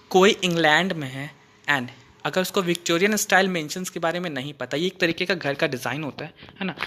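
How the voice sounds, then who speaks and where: A man's voice: a little high, pushed and bright. A man tutoring through a course lesson in a casual, conversational way, using everyday examples and often asking "right?" to check that listeners follow.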